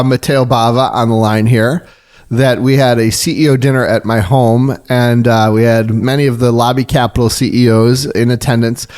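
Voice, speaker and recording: A man's voice: mid-range voice, smooth. Man, from the US, podcast host, upbeat, enthusiastic interjections. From United States.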